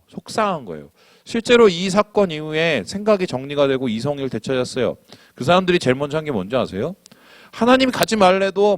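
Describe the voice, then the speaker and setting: A male pastor preaching a sermon in an animated way, asking the congregation questions and acting out quotes. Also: a little high, no room sound.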